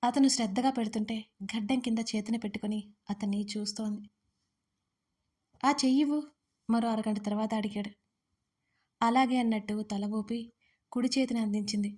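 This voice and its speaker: A woman narrating a romantic audio story in a gentle, even manner. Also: a little high, brisk.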